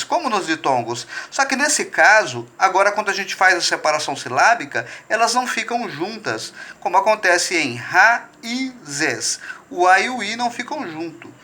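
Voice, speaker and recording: A man teaching a recorded grammar lesson, slow and deliberate, stretching out example words and often adding "né?". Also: high-pitched, pushed and bright. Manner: often adds "né?" tags.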